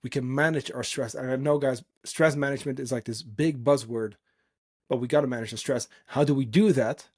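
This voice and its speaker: A man's voice: mid-range voice, fairly quick, breathy edge. A man from the Netherlands, a native Dutch speaker, hosting a solo podcast and coaching in an informal, earnest, emphatic and unscripted way.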